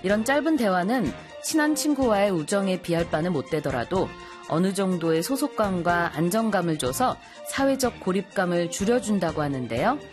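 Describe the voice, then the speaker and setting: A woman hosting a bilingual radio show in a studio. She reads in English, then retells it in rapid Korean. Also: lowish voice, animated, music in the background. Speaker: radio host.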